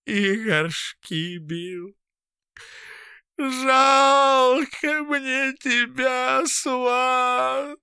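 A man voicing a tearful, childlike simple-minded man who pleads in a weepy, drawn-out way. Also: very high voice, bright, forceful tone, smooth, no room sound, clean studio sound, pitched above the performer's own voice, exaggerated voice.

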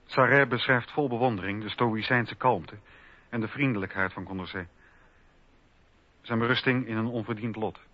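A man's voice: fairly low pitch, normal speed, long pauses. A man narrating a documentary radio drama from a script. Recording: dull lo-fi radio recording. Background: music.

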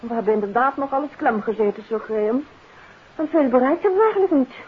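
A woman's voice: sits high, animated, fast, husky, heavily acted. A woman acting a detective's refined, lightly wry wife in a 1950s radio drama, with a genteel manner. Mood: composed. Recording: tinny, noisy 1950s radio recording.

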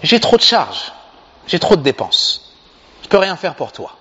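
A proud, stingy rich man curtly dismisses a plea, as a preacher acts him out. The voice drops lower than his own and sounds dull. The reverb of a big hall trails behind. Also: wildly swooping pitch, unhurried, fairly bright tone, a little hiss or hum, exaggerated voice. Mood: dismissive.

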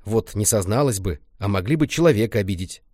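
Old village grandmother, loud and scolding, warm underneath, lively voice, dry close sound; a man acts her out. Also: on the low side, brisk, dry recording. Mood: softened chiding. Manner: shouting, folksy scolding.

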